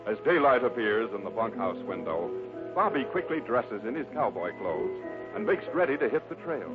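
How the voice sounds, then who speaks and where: A man's voice: mid-range voice, very animated, moderate pace, loud music behind the voice. A man narrating an old radio adventure serial in a suspenseful, theatrical style. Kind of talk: dramatic scripted narration, 1950s radio adventure. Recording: noisy, tinny old radio recording.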